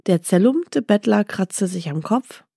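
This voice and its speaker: Mellow, gravelly-voiced woman reading a tale. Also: mid-range voice, animated, measured pace, no room sound, studio quality. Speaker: storyteller. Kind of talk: storybook reading.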